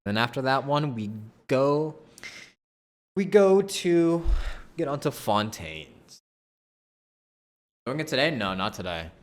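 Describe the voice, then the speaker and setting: A man chatting casually on a game livestream, thinking aloud in a halting way and repeating his phrases. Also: medium pitch, very animated. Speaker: game streamer. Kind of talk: casual livestream chat with viewers.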